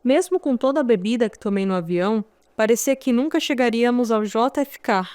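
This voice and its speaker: A woman with a Brazilian Portuguese accent narrates a first-person memoir audiobook, her voice sitting a little high. She tells the story conversationally and drops in wry asides to the listener. It is close-miked in a studio with a dry, dead sound. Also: fairly quick, darkish tone, dry recording.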